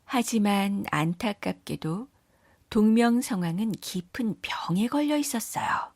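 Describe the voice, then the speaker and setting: A woman narrates a scripted children's story in a careful, measured storytelling style. Her medium-pitched voice has a darkish tone and is expressive, with no room sound in the recording.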